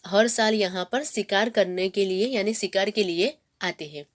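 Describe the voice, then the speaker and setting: A woman's voice: medium pitch, normal speed, lightly acted. A deferential male hunter read aloud by a woman answering an officer politely. It is an unadorned storybook reading, barely acted. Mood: respectful. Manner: deferential and respectful.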